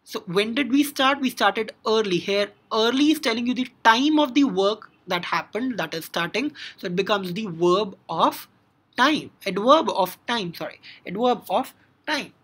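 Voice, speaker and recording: A woman's voice: on the high side, lively intonation, normal speed, a bit bright, breathy edge. A woman with an Indian English accent teaching a grammar lesson, explaining step by step with frequent "now" and "so".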